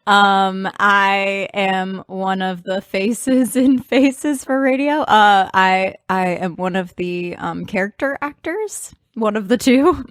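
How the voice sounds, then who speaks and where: Slow-paced woman, giggly and hesitant. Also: medium pitch, no echo, clean studio sound. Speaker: guest, comedy character actor. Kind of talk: casual interview chat.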